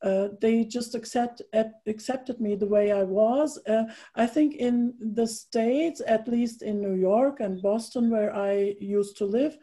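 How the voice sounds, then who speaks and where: German lady in her 50s hosting a video call chat, talks slow w lots of ums, kinda higher voice. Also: mellow. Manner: slow, thoughtful, many pauses and fillers. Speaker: interviewer host. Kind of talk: casual video interview.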